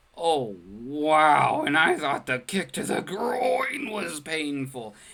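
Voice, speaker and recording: A put-on character voice at a middle pitch, delivered at a very slow pace. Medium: read story.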